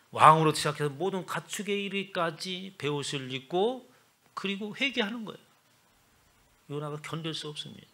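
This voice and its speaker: A man preaching a sermon as pastor, retelling scripture dramatically and swinging between loud exclamations and hushed asides. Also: on the high side, gravelly.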